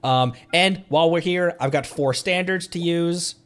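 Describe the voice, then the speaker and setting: A man streaming a game from home, chatting casually, excitable and rambling, laughing often as he talks. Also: on the high side, measured pace. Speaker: VTuber streamer. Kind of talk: casual gameplay chat.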